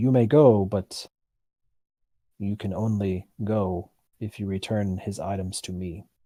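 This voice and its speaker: Using a put-on character voice with a hissing quality, a man speaks fairly low and fairly slowly with long, frequent pauses, in a very clean recording with a silent background. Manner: menacing, hissing.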